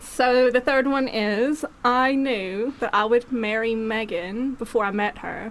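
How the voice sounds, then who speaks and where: Against noticeable background noise, a woman with a Southern US accent and a high pitch speaks at a fairly slow pace with hardly any pauses and ordinary pitch variation. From US South. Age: 20s. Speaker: guest. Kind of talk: casual chat.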